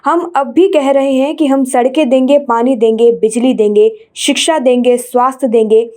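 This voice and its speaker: A woman's voice: sits high, fairly even intonation, normal speed, darkish tone. A woman news presenter narrating scripted bulletins in a formal, read-out manner.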